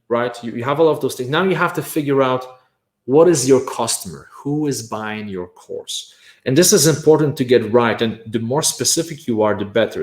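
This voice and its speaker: Teaching course creation in a spirited online workshop, a Polish man with Polish as his mother tongue drives points with "right?" and repeated "bam"s. He speaks at a medium pitch, and the recording has a roomy quality.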